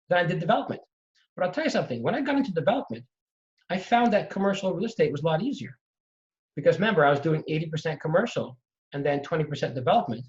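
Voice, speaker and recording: A middle-aged man from Trinidad and Tobago, a real estate investor telling his story in an emphatic, animated way during a conversation. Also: fairly high pitch. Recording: dull lo-fi audio.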